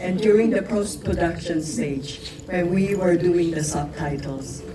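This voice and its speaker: A woman's voice: lowish voice, a little slow, recorded from a distance. A woman with a Filipino accent being interviewed at a film screening, speaking earnestly and reflectively with hesitant fillers. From Philippines. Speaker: actress and producer being interviewed. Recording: noisy crowded event. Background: crowd chatter.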